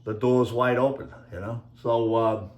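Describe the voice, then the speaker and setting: A man's voice: mid-range voice, fairly even intonation, darkish tone. Rambling Boston man in an echoey room. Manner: rambling, halting, filler-heavy. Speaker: video creator and author. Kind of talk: casual monologue over slides.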